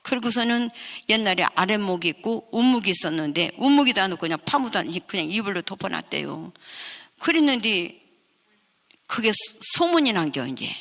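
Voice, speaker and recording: A woman's voice: mid-range voice, very animated, moderate pace, vocal fry, a bit bright. An older woman with a Chungcheong accent telling an emotional personal story, acting out family voices as she goes. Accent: Chungcheong Korean. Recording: reverberant hall.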